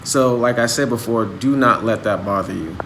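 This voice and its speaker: Once more the American vlogger in his thirties delivers a casual, earnest monologue on learning languages, full of restarts, outdoors and later in a restaurant. His voice is lowish and a bit bright at normal speed, on a low-quality recording with a little hiss or hum.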